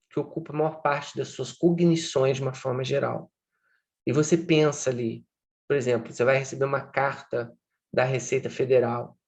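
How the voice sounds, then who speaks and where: A man with a Brazilian Portuguese accent teaches in an easygoing, conversational way, checking in with his listeners through frequent tag questions. His voice sits at an ordinary pitch with a noticeable gravelly fry, and he drops into quick acted-out examples to make his points. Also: a little mellow. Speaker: lecturer. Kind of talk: informal lecture.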